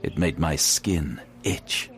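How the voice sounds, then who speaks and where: An actor playing a grim, defiant detective hero in an audio drama, with a brooding, dramatic delivery. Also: male voice, rumbling low, slow, a little hiss or hum. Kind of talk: audio drama acting with first-person narration.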